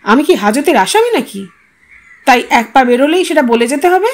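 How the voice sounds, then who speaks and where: A woman's voice: sits high, animated, moderate pace. A woman storyteller playing a defiant teenage boy who answers in a curt, offhand way. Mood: insolent. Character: defiant, dismissive teenage boy, newly grown up.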